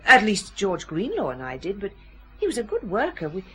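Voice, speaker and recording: An actress playing a brisk, frank office cashier in a radio drama. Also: female voice, medium pitch, huge pitch swings, soft background music, low-quality recording. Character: female whisky firm cashier, brisk and frank.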